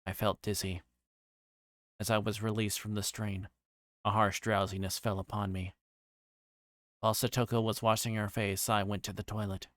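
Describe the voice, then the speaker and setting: A man's voice: fairly low pitch, little pitch movement, normal speed, long pauses, a bit bright, dry recording, clean studio sound. A man livestreaming a visual novel, reading the narration aloud with casual asides and occasionally stumbling over and repeating lines.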